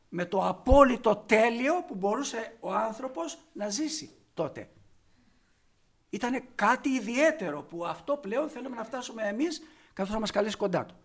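A man preaching a sermon, fervent, rising to loud emphatic peaks. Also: high voice, gravelly.

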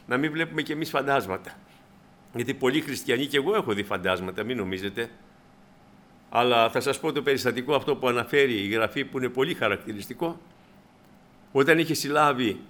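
A male preacher delivering a sermon in an animated storytelling manner. His voice swings widely in pitch and sounds bright and forceful. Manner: animated storytelling, acting out the people in his stories.

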